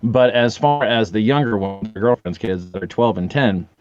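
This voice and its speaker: A man's voice: lowish voice, normal speed, a little mellow, muffled recording. A middle-aged man chatting casually as a podcast guest, with a joking, salty, irreverent manner. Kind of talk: casual chat.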